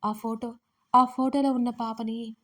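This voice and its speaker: A woman's voice: on the high side, little pitch movement. Veda, a trembling tearful young woman, as a woman narrator voices her. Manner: halting, broken by sobs. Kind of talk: audio story character voice.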